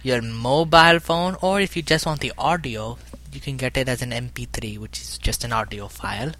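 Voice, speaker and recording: A man's voice: mid-range voice, moderate pace, pushed and bright. A man co-hosting a comedic podcast, playful and agreeable, often repeating his words. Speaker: podcast co-host.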